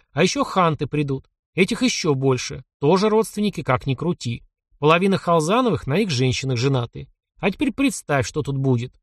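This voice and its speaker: A man's voice: on the high side, no echo, clean studio sound, pitched above the performer's own voice. A man voicing a young male officer who grumbles wearily at his overbearing grandfather. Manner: grumbling, weary complaints.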